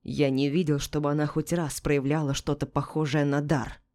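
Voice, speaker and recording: A woman voicing a cold, weary aristocratic husband who speaks quietly and flatly. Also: deep voice, moderate pace, natural voice. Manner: icy, quiet, flat delivery.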